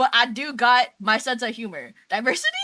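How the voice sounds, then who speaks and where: A woman speaks quietly in a high voice. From Korea. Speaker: vtuber and voice actor. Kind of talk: debut livestream, casual chat. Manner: louder, put-on stream voice; quiet off stream.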